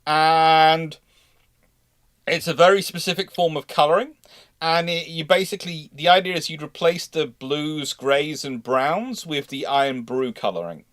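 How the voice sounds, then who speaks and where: A man's voice: fairly high pitch, measured pace, fairly bright tone, no room sound. A man hosting a live history question-and-answer discussion, rambling and often restating himself mid-sentence. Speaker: host of a live naval history Q&A.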